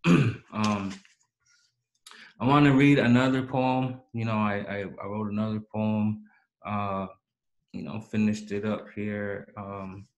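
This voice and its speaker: A man's voice: fairly low pitch, rough recording. A man in his thirties hosting a live-streamed poetry reading from a small room, talking casually with many fillers and restarts, then reading his own poem. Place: small indoor room with banner backdrop.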